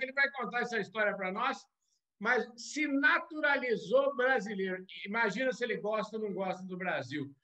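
Bright high-voiced male show host. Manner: upbeat and emphatic, calling out greetings. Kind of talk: broadcast interview hosting. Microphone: video call. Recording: dull lo-fi video call audio.

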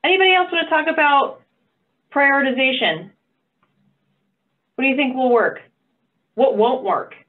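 A woman's voice: high-pitched, normal speed, long pauses. A woman running an online stakeholder meeting, upbeat and encouraging with playful asides. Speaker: meeting facilitator. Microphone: video call. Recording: phone-like video call audio.

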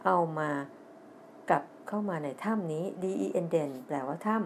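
With a voice on the low side, a middle-aged woman with a Thai accent reads a children's story aloud on a television English lesson. Each English line comes slowly and loudly, words are spelled letter by letter, and she explains them quickly in Thai. Slight background noise can be heard.

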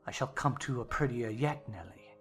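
A woman's voice: extremely low pitch, expressive, normal speed, breathy edge, faint music behind, voice pushed down, full character voice. A woman voicing a reckless, drunken middle-aged father who speaks with scorn and mockery. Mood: scornful. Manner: scornful and mocking.

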